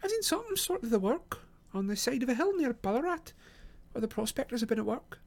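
A narrator voicing a gentle, calm, curious young lady in an audiobook story. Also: medium pitch, quick pace, voice pushed up. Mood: wondering.

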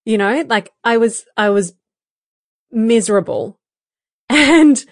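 Croaky woman co-hosting a podcast. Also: fairly high pitch, animated, slow, dry recording, clean studio sound. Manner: candid, laughs often, many fillers. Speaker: podcast co-host. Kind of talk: casual podcast chat.

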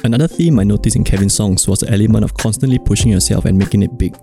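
Fast, gravelly-voiced male host. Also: on the low side, mellow, faint music behind. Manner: reads links between clips. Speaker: podcast host. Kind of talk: scripted narration.

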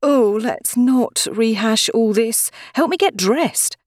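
A woman's voice: expressive, slow, no room sound, clean studio sound. A woman voicing a spirited, anxious young woman who talks in a raised, exasperated way, in an audiobook. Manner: exasperated, higher and brighter than the narration.

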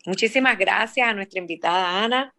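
A woman's voice: medium pitch, a little fast, sharp tone. A Dominican woman hosting a radio talk show, speaking emphatically and repeating key words for her listeners. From Dominican Republic. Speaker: radio host and family therapist.

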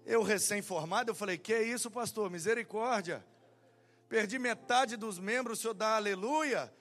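A man's voice: sits high, normal speed, faint music behind. A young man preaching as a pastor, telling a story and acting out the dialogue. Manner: animated, acts out dialogue in quotes. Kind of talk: sermon storytelling.

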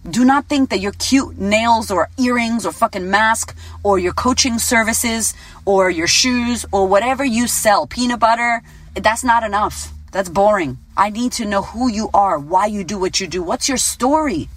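A woman in her late thirties, a business coach giving a casual motivational talk, blunt and animated, swearing freely. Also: medium pitch, normal speed. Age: 30s. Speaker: business coach and podcast host.

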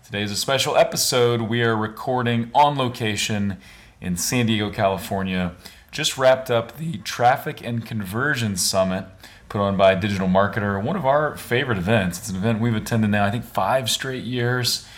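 A man hosting a podcast in a casual, upbeat way, his voice a bit raspy from days of talking at a conference. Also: lowish voice, moderate pace. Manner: upbeat, conversational, with frequent fillers. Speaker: podcast host. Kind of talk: casual podcast chat with read ad. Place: on location at a conference.

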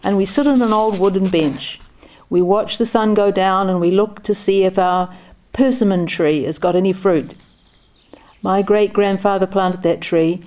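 A woman's voice: lowish voice, warm tone, lightly acted. A woman reading a story aloud, voicing a tiny, cheerful old man in his seventies who talks in an easy, friendly way.

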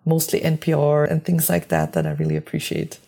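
A woman from Switzerland answers questions as a guest on an interview podcast. Her voice sits low and has a husky edge. She talks conversationally, reflecting as she goes and sounding enthusiastic. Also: very animated, a little fast, warm tone. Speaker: podcast guest, space mission engineer.

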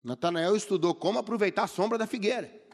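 A middle-aged preacher with a Brazilian Portuguese accent talks fast in a high voice, spinning humorous tales and playing out the people he cites. A large hall adds long reverb to the recording.

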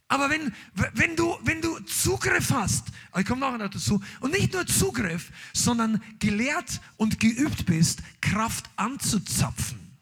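Male preacher, middle-aged, charismatic sermon style; lively sing-song delivery, husky tone. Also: extremely high pitch. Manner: emphatic, mixes in English words, shouts interjections. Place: church hall with congregation, streamed online.

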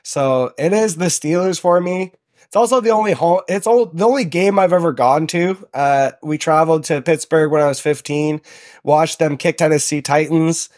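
A young man from Southern Ontario, a podcast guest telling stories in a relaxed way, with plenty of ums and uhs. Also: a little high, moderate pace. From Southern Ontario, Canada. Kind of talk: casual interview chat.

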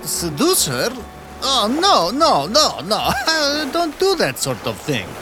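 A man playing a gloomy, vain henchman with broken English; high, lively pitch. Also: takes it slowly, music in the background, heavily acted. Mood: hesitant.

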